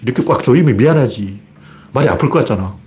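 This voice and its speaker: A man's voice: mid-range voice, lively intonation, quick pace, a little mellow. A man hosting his own commentary broadcast, talking in a blunt, colloquial and argumentative way with many rhetorical questions. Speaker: political commentator.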